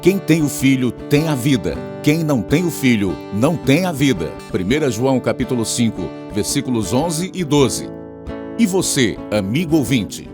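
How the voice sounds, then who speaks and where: A man with a Brazilian accent reading scripted evangelistic radio narration as an announcer, earnestly addressing listeners. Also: mid-range voice. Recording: guitar music behind the voice.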